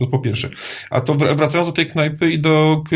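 A man with a fairly high pitch, somewhat breathy, at a fairly quick pace. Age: 40s. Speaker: podcast co-host, salesman. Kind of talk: casual chat.

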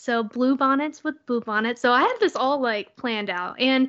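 A woman's high voice with ordinary pitch variation. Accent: American. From Texas. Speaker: podcast co-host. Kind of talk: casual chat. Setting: remote video call.

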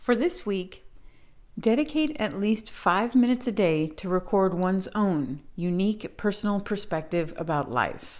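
A woman with an ordinary speaking voice talks at a moderate pace and medium pitch with lively intonation, in a very clean recording with a silent background. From mid-California. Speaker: podcast host. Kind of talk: solo podcast monologue, explanatory. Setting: home recording with lapel microphone. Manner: conversational, laughs often.

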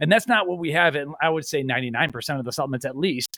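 A man talks in a plain, everyday voice with lively intonation, the sound dry and close with no echo. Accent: American. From Texas. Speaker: podcast host. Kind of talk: casual interview.

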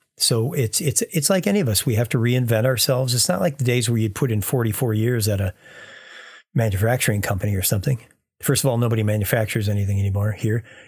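Speaking at a very fast pace with very even loudness, a man with a medium pitch and somewhat breathy voice shows ordinary pitch variation on a very clean recording with a silent background. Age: 50s. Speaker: sound engineer. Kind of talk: casual chat.

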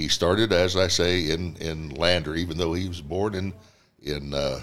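Vocal fry marks this man's speech. His pitch is very deep and low. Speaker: radio voice artist and agricultural liaison. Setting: radio studio.

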